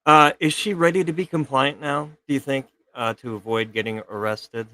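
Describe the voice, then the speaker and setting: A man's voice: medium pitch, fairly even intonation, moderate pace, noisy background. A man hosting a live show, giving casual, joking quiz-style commentary on a video. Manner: playful, joking.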